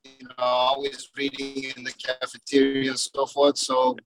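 A man from Cape Verde, an educator speaking as a guest in a panel discussion over a choppy video call from a car. He talks haltingly and leans on "you know" fillers. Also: medium pitch, monotone, rough recording. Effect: choppy video call connection, breaking up.

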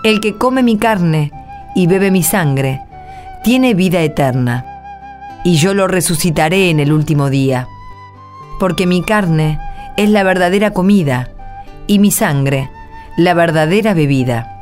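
An Argentine woman presenting a religious radio programme, with scripted, measured and clearly phrased delivery. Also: on the low side, expressive, darkish tone. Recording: music bed behind the voice.

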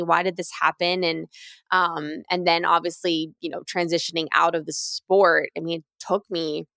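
Speaking with a lowish voice, a woman in her thirties who used to be an athlete shares her story in an earnest, candid way. She often starts phrases over and becomes animated when quoting others. There's no room sound on the recording.

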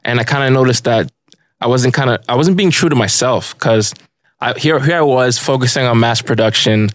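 In studio-quality audio with no room sound, a man from Ghana talks at normal speed in a medium-pitched voice. He's a fashion brand founder guesting on a podcast, chatting loosely in a casual interview and rambling with plenty of "like" and "you know."

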